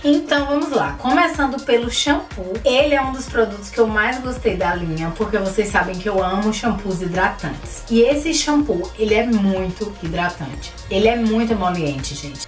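A woman's voice: medium pitch, far from the mic. A young adult woman from Brazil reviewing hair products straight to camera, enthusiastic and chatty, often turning to her viewers. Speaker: beauty vlogger. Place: indoor room with lilac backdrop. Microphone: camera in front at chest-up framing. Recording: echoey room, voice a bit off-mic, faint music.

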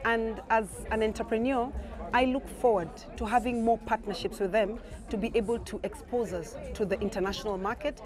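A woman's voice: fairly high pitch, fairly even intonation, a little fast, music in the background. A woman from Kenya, a company founder, speaking fluently and upbeat in an interview. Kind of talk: interview testimonial.

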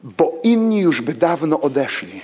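A man in his sixties preaching a sermon to his congregation, walking among the pews and swinging between loud exclamations and hushed asides. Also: fairly high pitch, sing-song, a little slow, slightly rough. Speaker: pastor. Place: church hall with pews and congregation. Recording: long reverb of a church hall.

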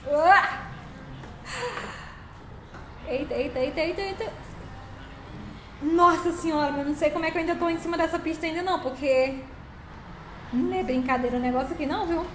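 A woman's voice: high-pitched, moderate pace, pauses often, fairly bright tone, echoey room, slight background noise. A woman hosting a casual live stream while playing a game, chatty and thanking viewers by name.

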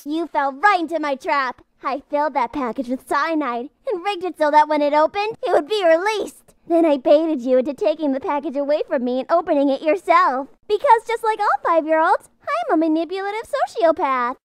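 A woman's voice: high voice, brisk, few pauses, dry recording, lightly acted. A woman voicing a scheming five-year-old boy in an anime parody, taunting and smug with precise phrasing.

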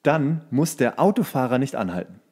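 A man's voice: mid-range voice, big pitch swings, normal speed, a little mellow, slightly rough. A man co-hosting a casual podcast chat, explaining in slang and acting out imagined exchanges. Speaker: podcast co-host.

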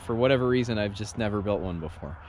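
A man's voice: fairly low pitch, quick pace, darkish tone. An American man in his thirties talking casually outdoors as a ham radio operator, on a camera mic. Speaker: amateur radio operator and vlogger. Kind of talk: casual vlog talk and radio contacts. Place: open grassy yard outdoors. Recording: outdoor noise, faint vehicle sounds.

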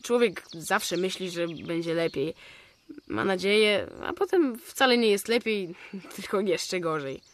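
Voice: mid-range voice, animated, a little slow, fairly bright tone. An actor playing a cheeky young boy in a radio play, chatty and matter-of-fact, coolly cynical. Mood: worldly-wise. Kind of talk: Polish radio play dialogue.

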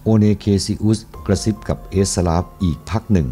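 A man reading a historical novel aloud as an audiobook narrator, in a steady, even storytelling manner. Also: low voice, a little fast, faint music behind.

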